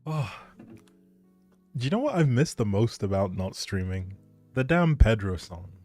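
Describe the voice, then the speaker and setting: A game streamer chats casually with viewers while playing a life-simulation game, musing aloud on his livestream. His lowish, darkish voice is very animated at a measured pace, with faint music behind it.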